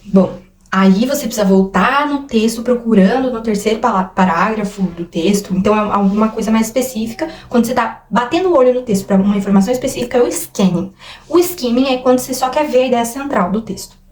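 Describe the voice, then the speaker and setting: A woman's voice: a little high, fast talker, a little mellow, echoey room. A woman giving a casual video lesson, explaining step by step and repeating key points. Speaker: teacher.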